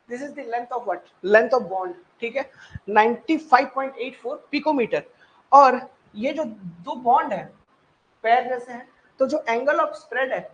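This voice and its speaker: A man's voice: very high-pitched, dull audio. A man teaching a live online exam-prep class on his own mic. He repeats himself and keeps checking in with his listeners. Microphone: own mic in a live online session.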